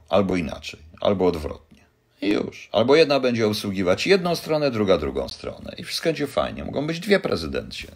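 An older man hosting a casual live chat, rambling and joking as he answers viewers' questions. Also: fairly low pitch. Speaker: livestream host answering viewers.

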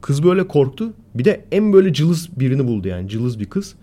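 A man co-hosting a relaxed podcast chats and tells stories with gusto in a warm, mellow, mid-pitched voice. He talks fast, and when he acts out people shouting, his pitch and volume jump up.

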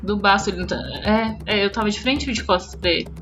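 A woman's voice: mid-range voice, quick pace, a bit bright, soft background music. A woman with a Brazilian accent chatting casually as a player in a tabletop game.

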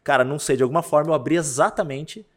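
Racing along in a voice on the high side, a young man co-hosting a podcast shares a personal story casually. He animates it by acting out dialogue with changing voices and stuffing his speech with slang.

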